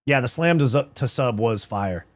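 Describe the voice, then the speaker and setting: A man's voice: medium pitch, normal speed, dry recording. A man casually breaking down fights on a livestream, swearing, laughing and replying to live chat. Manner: profane, excitable, reads live chat, laughs often. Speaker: livestream MMA show host.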